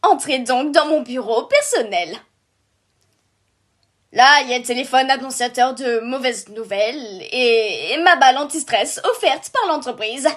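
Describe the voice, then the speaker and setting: Female killer robot manager, voiced by a woman, high pitch, unhurried delivery, forced office cheer, animated fan dub. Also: full character voice. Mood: brisk, confiding. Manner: chirpy office jargon, forced professionalism. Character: peppy corporate-minded female killer robot squad leader, brittle composure.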